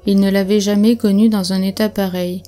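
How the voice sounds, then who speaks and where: A woman narrating an audiobook in a measured, even reading. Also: medium pitch. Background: faint music.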